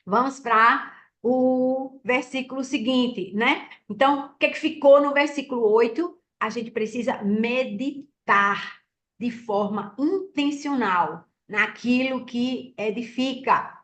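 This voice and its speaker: A woman delivers a church sermon. Her voice sits a bit high, and she explains the scripture in a chatty, teaching way, checking in with the congregation as she goes. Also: takes it slowly, a bit bright. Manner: conversational, teaching, frequent "né?" tag questions. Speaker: preacher.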